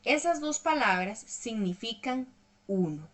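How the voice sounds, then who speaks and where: A woman's voice: on the high side, big pitch swings, unhurried. Patient woman teaching English. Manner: patient, explains step by step with frequent "¿verdad?". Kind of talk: online tutoring lesson.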